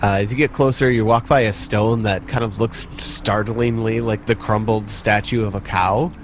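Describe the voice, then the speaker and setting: A man's voice: fairly low pitch, fairly even intonation, moderate pace, a little hiss or hum. A man narrating a tabletop game as game master, conversational and feeling his way through improvised descriptions.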